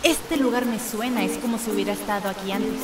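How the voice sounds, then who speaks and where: A woman's voice: mid-range voice, brisk, loud music behind the voice, close to an everyday voice. A woman voicing a brave, confident, boastful female hedgehog heroine in a fan dub of video game cutscenes. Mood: determined. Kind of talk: Latin American fandub of game cutscenes.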